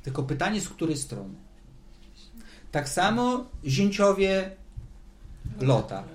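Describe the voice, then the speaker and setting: A man's voice: high voice, sing-song, slow pace. A man leading a Bible study, teaching in a conversational way, asking the group questions and repeating words as he thinks.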